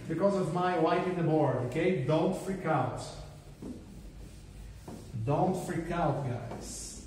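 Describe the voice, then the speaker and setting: A man teaching an English lesson in a classroom, explaining slowly and repeating drill phrases. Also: fairly high pitch, noisy background. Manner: switches between explaining and acted example exclamations, slow repeated drills. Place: classroom with whiteboard. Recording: echoey room, voice from a distance.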